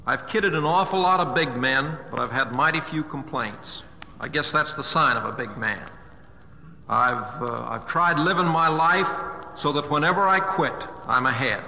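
Bright-voiced folksy American cowboy humorist. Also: male voice, on the high side, normal speed. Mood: humble, moved. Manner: folksy, plain-spoken, hesitant. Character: folksy, humble male cowboy humorist and devoted husband. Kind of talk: 1950s American radio drama acting. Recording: dull vintage radio recording, echoey hall.

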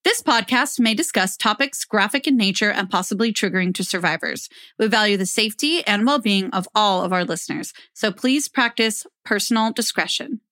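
A woman's voice: mid-range voice, lively intonation, brisk, hardly any pauses, pushed and bright, no echo. A young woman hosting a true crime podcast, reading scripted narration into a close microphone. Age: young adult. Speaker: podcast host.

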